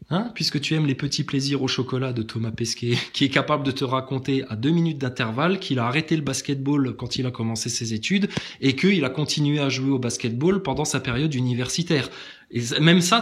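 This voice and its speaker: A man's voice: a little high, a bit bright. Guy ranting at his commenters, mocking and combative, voice swinging up and down. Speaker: online commentator.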